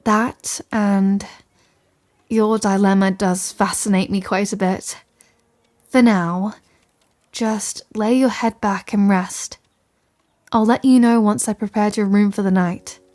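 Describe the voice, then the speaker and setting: A woman's voice: mid-range voice, steady tone, takes it slowly, long pauses, a little mellow, lightly acted. A capable female wizard voiced by a woman in an ASMR fantasy roleplay. She has a mid-range voice and speaks directly to the listener in articulate, bookish phrases. Her manner is caring and reassuring, that of a learned shopkeeper. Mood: gentle, reassuring. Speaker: audio roleplay performer.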